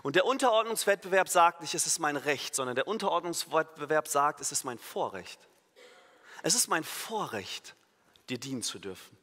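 A pastor giving a sermon, emphatic and lively, acting out imagined inner voices and now and then correcting himself mid-sentence. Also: male voice, fairly high pitch, moderate pace. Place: church hall. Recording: long reverb of a church hall.

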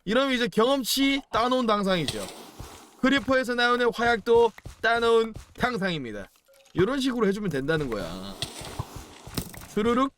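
A man's voice: very high voice, fairly bright tone, slight background noise. A young man giving playful, chatty commentary while playing a game, chanting and exclaiming as he goes. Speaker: gaming YouTuber.

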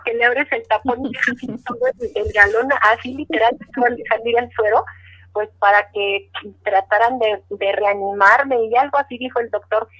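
A woman's voice: on the high side, fairly bright tone, breathy edge. A middle-aged woman, earnestly telling a personal story in an interview, repeating words as she recalls it. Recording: dull lo-fi audio.

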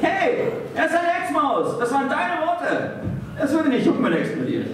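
Cynical, cruel, theatrical male cat played by a man, high-voiced, recorded from far off with audible noise. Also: huge pitch swings, normal speed, fairly bright tone, full character voice. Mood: gleeful cruelty. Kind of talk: live radio play on stage. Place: theatre stage, recorded from the audience. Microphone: far camera. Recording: very echoey, distant, noisy stage recording.

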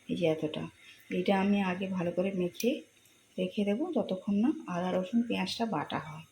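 A woman, speaking softly as she explains a home cooking vlog step by step. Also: lowish voice, vocal fry, a little hiss or hum, rough recording. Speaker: cooking vlogger. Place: home kitchen.

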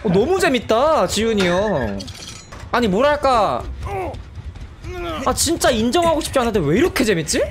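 Excitable streamer man, very lively pitch. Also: moderate pace, long pauses, noisy background. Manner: excitable, bursts into loud surprised exclamations. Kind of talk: casual live gameplay commentary. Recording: game music behind the voice. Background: game music.

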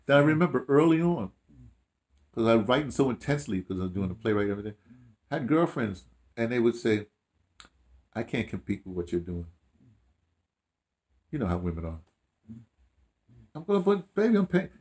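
A man in his late sixties or so, chatting casually about his life as an animated storyteller who often repeats phrases and quotes himself. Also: mid-range voice, brisk, pauses often. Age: 60s or 70s. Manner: animated storytelling with frequent repetition and self-quoting. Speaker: audio dramatist telling his life story. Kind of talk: casual reminiscing chat. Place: small room at home, indoors.

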